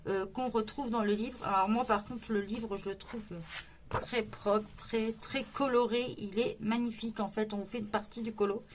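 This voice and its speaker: A woman's voice: on the high side, a little hiss or hum. A woman casually flipping through a coloring book for her channel, chatty and enthusiastic with frequent fillers.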